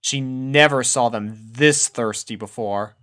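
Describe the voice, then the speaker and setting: A man's voice: medium pitch, measured pace, fairly bright tone. A man reading a scripted story aloud as its narrator. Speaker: fan fiction reader.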